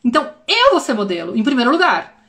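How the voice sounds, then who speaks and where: Woman, 30s, parenting educator hosting a casual live stream; chatty and expressive, a little high-voiced. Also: quick pace. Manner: expressive, chatty, addresses viewers often.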